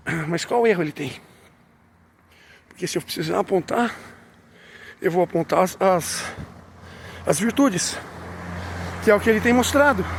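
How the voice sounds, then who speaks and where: With long, frequent pauses, a man speaks at a moderate pace in a high pitch. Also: lively intonation. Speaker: religious commentator. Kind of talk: religious reflection monologue. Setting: outdoors, walking uphill. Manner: animated.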